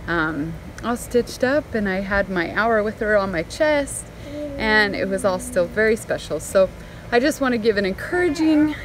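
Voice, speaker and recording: A pregnant woman in her thirties chatting casually in a family vlog, lively with her kids. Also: mid-range voice, normal speed, noisy background. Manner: chatty, animated with children. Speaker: family vlogger.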